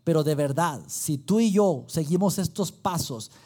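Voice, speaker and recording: A man's voice: a little high, expressive, a little slow, a little mellow, slightly rough. A man with a Mexican accent preaching a sermon, telling a personal story with emphatic repetition. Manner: emphatic, repeats words for stress.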